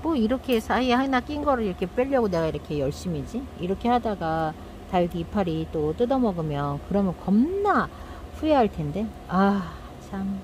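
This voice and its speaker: A woman's voice: medium pitch, very animated, normal speed, a little mellow, a little hiss or hum. A middle-aged woman hosting a succulent channel, chatting casually while tending her plants and acting out quoted thoughts.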